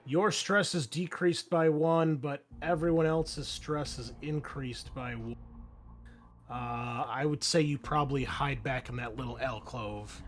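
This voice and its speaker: Male game master, mid-range voice, slow pace, vivid tabletop narration, light music underneath. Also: medium pitch, steady tone, a little hiss or hum. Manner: vivid second-person scene narration.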